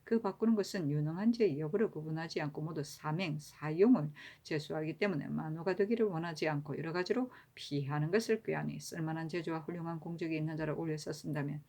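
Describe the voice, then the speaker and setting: A woman reading historical court annals aloud in a steady, even-paced, formal manner. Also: low-pitched, fast talker, few pauses. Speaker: reader of historical records.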